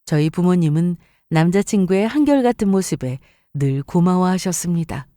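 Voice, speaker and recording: A woman's voice: lowish voice, lively intonation, moderate pace, dark tone, no echo, clean studio sound. A woman reading a scripted first-person story as a narrator.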